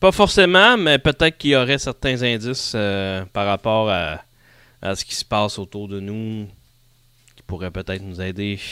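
In a Quebec accent, a man speaks at a fairly slow pace and fairly low pitch with a bright, sharp tone, ordinary pitch variation and big swings in loudness, on a very clean recording with a silent background and a dry, close sound with no echo. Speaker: game master of a tabletop role-playing podcast. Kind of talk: tabletop role-playing game session.

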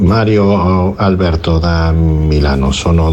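The pitch of this man's voice is very deep and low. Behind him, background noise is noticeable. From Milan, northern Italy. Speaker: football fan sending voice message. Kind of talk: voice message.

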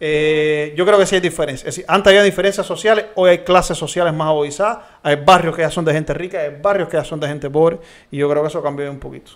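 A man with a Cuban accent talks at a very fast pace in a high pitch. His intonation is fairly even, but his loudness swings widely. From Cuba, Santa Clara. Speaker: talk show host. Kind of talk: casual discussion.

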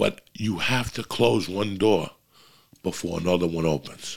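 Very deep, low male voice with ordinary pitch variation. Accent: New Jersey. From New Jersey. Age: 50s. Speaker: comedian and podcast host. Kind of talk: casual chat. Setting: home studio. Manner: animated.

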